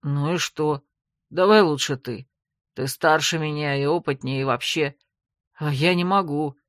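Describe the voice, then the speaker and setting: A woman plays a flustered young man, the younger brother in a fantasy tale, his voice pitched low. He sounds defensive and bewildered, fumbling for excuses. The sound is dry and close. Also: measured pace, no echo.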